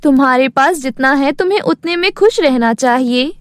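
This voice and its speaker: A woman voicing a patient, worried elder sister from a poor home in a cartoon story, gentle and reasoning. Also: high-pitched, expressive, normal speed, no echo, studio quality. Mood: gently firm.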